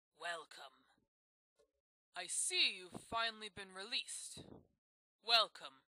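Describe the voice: A cartoonish character voice that sounds female speaks at a fairly high pitch and a fairly slow pace, with long, frequent pauses.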